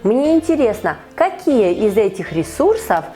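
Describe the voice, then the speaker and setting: A woman hosting an online conversation as a Russian teacher, asking a learner measured, encouraging questions. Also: fairly high pitch, sing-song, dark tone, soft background music. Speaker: Russian teacher and podcast host. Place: online call.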